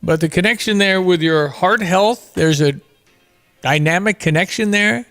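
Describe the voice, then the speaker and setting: A man with a notably high-pitched voice hosts a radio morning show. He talks casually and conversationally, with a folksy manner as he chats with a guest. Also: normal speed, a bit bright, soft background music. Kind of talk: live radio interview, casual chat.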